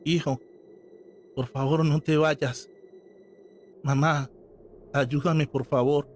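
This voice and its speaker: A man's voice: a little high, steady tone, takes it slowly, slight background noise. A man voicing a grieving elderly grandmother in a horror story, desperate and angry. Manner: desperate pleading and angry outbursts.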